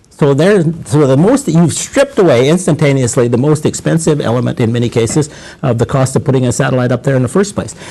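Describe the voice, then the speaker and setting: This man has a dark, mellow tone that is somewhat breathy. He talks with lively intonation in an American accent. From United States. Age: 60s. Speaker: retired navy admiral, satellite industry advisor. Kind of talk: radio panel discussion.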